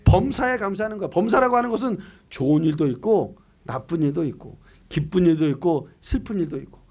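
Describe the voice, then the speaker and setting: Reading scripture aloud in a year-end sermon, a middle-aged pastor asks and answers his own questions in a conversational manner. His voice is a little high, a little mellow, and slightly rough.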